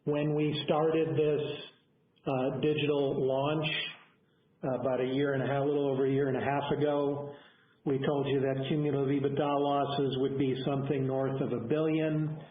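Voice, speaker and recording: A man's voice: mid-range voice, little pitch movement, slight background noise. Man briefing investors over echoey phone line. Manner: halting, with mid-phrase self-corrections. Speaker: company executive on an earnings call. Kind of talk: semi-scripted business briefing to investors. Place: conference call over phone. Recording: echoey, band-limited conference phone line.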